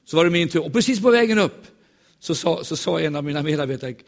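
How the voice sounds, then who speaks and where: A man preaches in a church with a slightly raised pitch. He tells his stories in a joking, animated way and acts out the voices of the people in them. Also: vocal fry. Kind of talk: humorous sermon storytelling.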